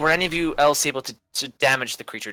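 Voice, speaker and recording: Putting on a character voice, a man with a fairly high pitch races along at a very fast pace, with big swings in loudness and fairly even intonation. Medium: actual play. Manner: probing, businesslike.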